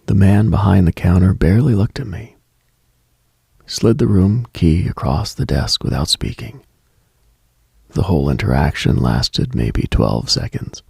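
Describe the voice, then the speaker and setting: Deep, gravelly man, late-night radio host. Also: animated, measured pace, warm tone, no echo, studio quality. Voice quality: gravelly, husky, breathy. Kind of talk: slow late-night mystical radio monologue; reflective eerie storytelling.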